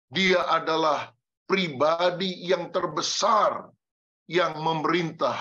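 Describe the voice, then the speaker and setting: A male pastor preaching with a bright, forceful voice and lively delivery. He speaks straight to his congregation and acts out the quotes in his stories. The recording sounds dull and lo-fi. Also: fairly high pitch, slow. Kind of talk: sermon. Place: church.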